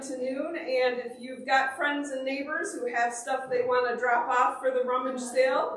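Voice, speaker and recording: A woman speaks with high pitch at a moderate pace. Audible room echo and light background noise accompany her. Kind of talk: church announcements. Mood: friendly, relaxed. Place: church. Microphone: camera far.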